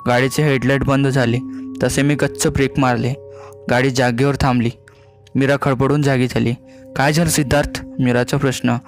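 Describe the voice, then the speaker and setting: Steady male horror storyteller over faint music. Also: mid-range voice. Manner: even, steady storytelling delivery. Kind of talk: scripted horror story narration.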